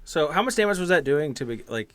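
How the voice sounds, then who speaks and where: A man working as game master, improvising narration of a tabletop game in a halting, thinking-aloud way. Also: a little high, sing-song, fairly bright tone, smooth, no echo, clean studio sound.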